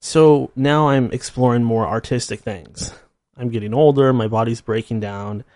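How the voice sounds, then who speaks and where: A man in his thirties talking alone on his podcast, wandering from thought to thought with a self-mocking laugh. His voice sits at an ordinary middle pitch, recorded close and dry with no room sound around him. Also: moderate pace, a little mellow, dry recording. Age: 30s. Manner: rambling, self-deprecating, laughs at himself. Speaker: podcast host. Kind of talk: casual solo monologue.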